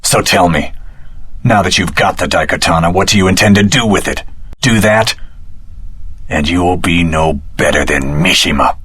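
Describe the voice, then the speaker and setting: An earnest heroic swordsman from an action video game. His voice sits low with a husky grain. He speaks dramatically and with honor, like a principled protagonist. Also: moderate pace, a bit bright. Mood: grave, resolute. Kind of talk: scripted video game voice acting.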